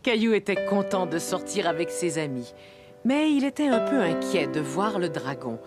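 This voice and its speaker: A woman's voice: on the low side, sing-song, normal speed, music in the background. A woman performing as a kindly storybook narrator for a French children's cartoon. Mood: storytelling.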